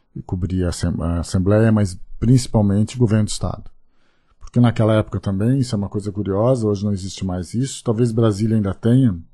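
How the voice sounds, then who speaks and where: A man with a dark, mellow tone and a fairly low, somewhat breathy voice talks at a fairly quick pace with fairly even intonation. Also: quiet background. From Santa Catarina, Brazil (Rio do Sul). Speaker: journalist and newspaper columnist. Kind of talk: casual interview. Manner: halting, many repetitions and fillers.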